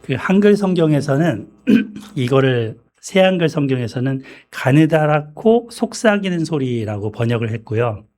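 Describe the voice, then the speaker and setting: A man preaching a sermon in a church, speaking in a measured way and often clearing his throat. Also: a little high, dark tone. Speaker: pastor.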